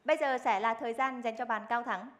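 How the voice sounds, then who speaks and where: A woman's voice: on the high side, brisk, some chatter behind, a little hiss or hum. A young woman hosting a game show, reading quiz questions in a formal, articulate way into a headset microphone. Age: young adult. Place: TV studio stage.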